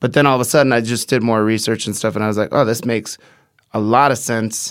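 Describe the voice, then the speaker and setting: This man has an ordinary speaking voice, a medium pitch, fairly even intonation and an American accent. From Colorado mountains (Eagle County). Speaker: rock guitarist and magazine editor. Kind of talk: casual chat. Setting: studio.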